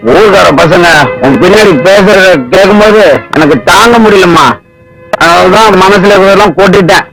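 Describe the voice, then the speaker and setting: A man's voice: sits high, normal speed, vocal fry, over music, rough recording. An actor in a 1980s film drama playing an earnest, emotional family man who pleads and explains tenderly.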